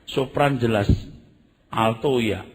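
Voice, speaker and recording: A man's voice: medium pitch, slow, in a large hall, very noisy. A man preaching a sermon, telling vivid stories and acting out screams and sounds, often addressing the congregation directly. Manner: animated storytelling, acts out screams and sounds. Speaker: pastor.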